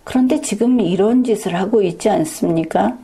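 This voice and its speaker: A woman's voice: mid-range voice, normal speed, gravelly, dark tone, slightly rough. A woman giving a political commentary monologue, lecturing viewers directly and pressing them with rhetorical questions.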